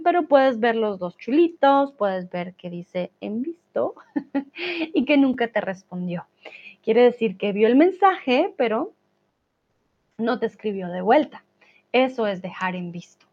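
Slow, patient teacher woman. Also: on the high side, lively intonation. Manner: patient explaining, drawn-out words, frequent "¿vale?" check-ins. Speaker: Spanish teacher. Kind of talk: online language lesson. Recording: dull lo-fi recording.

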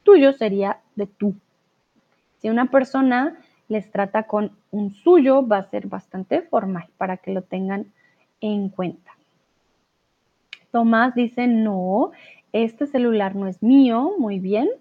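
A woman with a mid-range voice speaks slowly as she teaches Spanish on a live stream, patiently reading viewers' chat answers aloud and correcting them. At times she explains in English or German. The stream audio is tinny and narrow-band.

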